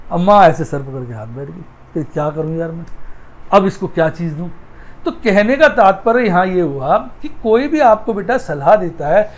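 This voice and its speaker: A man with a fairly high voice talks markets to his viewers like a patient teacher. He is middle-aged, homely and direct, and he repeats his phrases as he tells little stories to make a point. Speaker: stock market educator. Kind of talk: casual teaching talk with storytelling.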